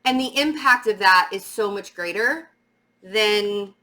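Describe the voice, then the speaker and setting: A middle-aged woman with a slight stammer gives viewers a halting spiritual tarot reading, speaking casually but emphatically and repeating words for stress. Her mid-range voice has a sharp tone.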